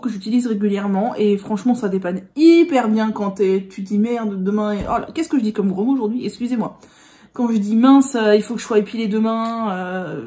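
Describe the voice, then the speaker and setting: A woman's voice: fairly high pitch, dark tone. A woman vlogger chatting casually about products, rambling with many hesitations.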